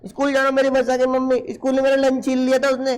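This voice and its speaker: A man's voice: very high voice, monotone, quick pace, smooth. A man playing a whiny schoolboy. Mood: childish. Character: schoolboy telling his mother about his day.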